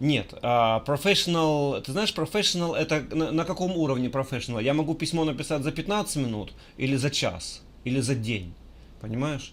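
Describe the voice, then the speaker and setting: With a Russian accent, a man speaks at a fairly quick pace in a fairly high pitch with lively intonation. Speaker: English pronunciation teacher. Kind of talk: language lesson.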